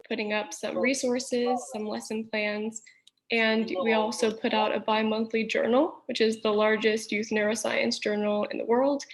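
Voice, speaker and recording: Friendly young woman with a gravelly edge. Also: on the high side, low-quality recording. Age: young adult. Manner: friendly, informative overview. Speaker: nonprofit chief executive. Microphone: video call.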